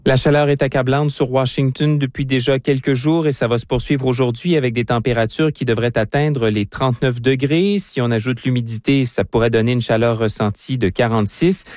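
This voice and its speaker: A French Canadian correspondent reads his report at a mid pitch with a steady, formal delivery. His voice is close and dry, with no room around it. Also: no echo. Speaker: foreign correspondent. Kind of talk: scripted news report.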